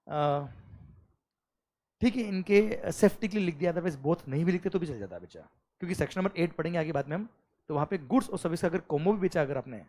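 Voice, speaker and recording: A man teaching a live recorded tax lecture, who mixes Hindi with English terms in an Indian English accent, keeps asking "clear?" loudly and chants lists rhythmically. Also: on the high side. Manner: animated teacher, calls students "beta", repeats "clear?" loudly. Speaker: GST lecturer for accounting students.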